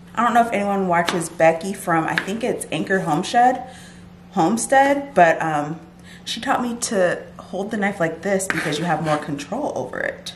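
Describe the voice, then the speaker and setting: A woman's speech moves at a moderate pace amid noticeable background noise. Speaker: vlogger. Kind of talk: casual vlog chat. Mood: relaxed, cozy. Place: kitchen. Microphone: camera far.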